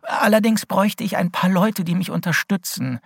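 A man's voice: high-pitched, normal speed, creaky, slightly rough, no echo, studio quality, voice pushed up, full character voice. A man voicing an impulsive, eager teenage boy hero who speaks earnestly.

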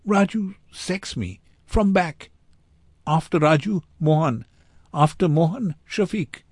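A man voicing a desperate young Indian street boy in a storybook, speaking broken, halting English in short bursts with a thin, high voice. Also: expressive, a little mellow, husky, dry recording, studio quality, full character voice. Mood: distressed recounting.

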